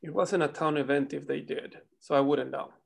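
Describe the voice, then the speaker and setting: A man's voice: fairly high pitch, normal speed, vocal fry, husky, heavily acted. Dry, unbothered small-town mayor, read by a man. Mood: unbothered, evasive. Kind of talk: script table read.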